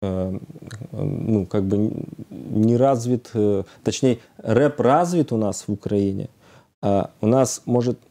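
A man in his thirties talks as a guest in a casual studio interview. His voice is low and very dark, soft-edged. He often pauses and searches for his words. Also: gravelly. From Odesa, Ukraine. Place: TV studio, indoors, seated.

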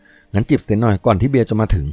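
A man voicing a confident, womanizing young man, speaking slowly and smoothly. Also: on the low side, darkish tone, dry recording. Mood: smooth charming.

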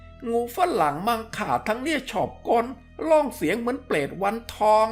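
A man voicing an old male jungle tracker who grumbles in a high, slow, rustic way. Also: sing-song, soft background music. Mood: grumbling.

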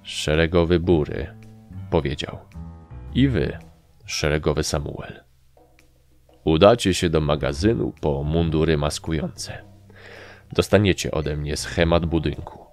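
A jittery army captain drones in a deep, slow, hopelessly sad voice, as a male narrator puts him on. Soft music hums faintly underneath. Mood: weary.

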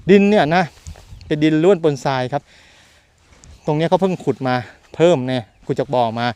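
A man talks casually while walking outdoors across open countryside, filming on a handheld camera. His voice sits a little on the high side, and his delivery is loose and chatty as he points things out along the way. Birds call in the open air around him. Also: a little fast, a little mellow, clean tone, dry recording. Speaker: land seller and property reviewer. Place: outdoors in open rural fields by a road.

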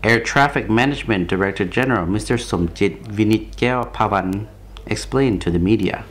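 A man's voice: on the low side, normal speed. A man reading scripted television news narration as a presenter.

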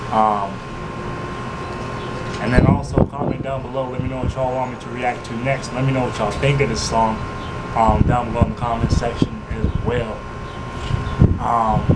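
Young guy vlogging reactions, laid-back and rambly, mid pitch, loud ac hum in the room. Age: young adult. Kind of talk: casual slangy monologue to camera. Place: small indoor room.

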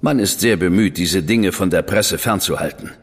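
An actor playing a cool, arrogant government official who speaks in a measured, superior, quietly threatening way. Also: male voice, deep voice, breathy edge, in a large hall. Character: cool, arrogant high official, man, middle-aged. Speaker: government official recruiting an investigator. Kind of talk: radio play acting.

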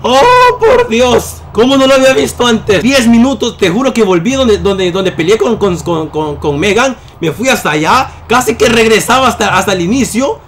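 Young male gamer, high voice, loud and excitable, close mic. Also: moderate pace, few pauses, slight background noise. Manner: excitable, yelling at enemies in bursts. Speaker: gaming YouTuber. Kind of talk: gameplay commentary.

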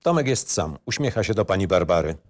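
A male narrator with a slightly low voice reads out screenplay directions. The delivery is scripted narration, describing scenes and actions between dialogue. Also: big pitch swings, fairly quick. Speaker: narrator reading stage directions.

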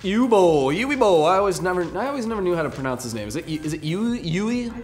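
A young man with a slightly high voice co-hosts a comedic explainer from a small studio set. He delivers his script playfully, tossing in jokes and loud exclaimed bits, with faint music under him. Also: sing-song, quick pace. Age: young adult. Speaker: co-host.

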